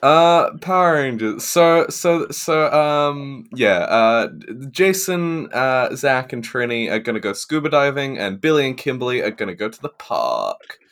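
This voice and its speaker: A man co-hosting a casual podcast chat, blunt and sweary, quick to laugh. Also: mid-range voice, big pitch swings, a bit bright. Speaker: podcast co-host.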